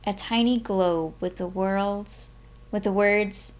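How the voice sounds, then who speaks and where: Female streamer, mid-pitched and leisurely, expressive delivery with drawn-out dramatic phrases. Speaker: host of a live reading stream. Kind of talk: expressive audiobook-style reading and casual stream chat.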